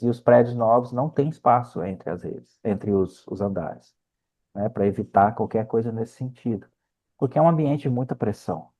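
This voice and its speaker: This middle-aged Brazilian man from Minas Gerais has a warm, medium-pitched voice. A researcher appearing as an interview guest, he explains things through anecdotes in conversational storytelling, often tossing in check-in tags.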